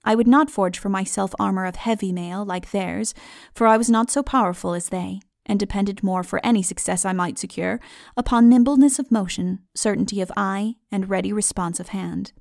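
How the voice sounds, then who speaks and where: A woman reading a literary fantasy audiobook as narrator, in measured, formal storytelling. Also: mid-range voice, gravelly, a little mellow, no room sound, studio quality. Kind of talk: scripted dramatic narration of a literary fantasy tale.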